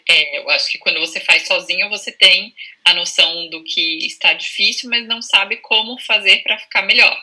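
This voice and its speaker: A woman speech therapist with a Brazilian Portuguese accent, calmly explaining things in a video call, often ending phrases with a questioning tag. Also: medium pitch, moderate pace, low-quality recording. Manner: calm, explanatory, frequent "né?" tags. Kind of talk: conversational explanation in a live video chat.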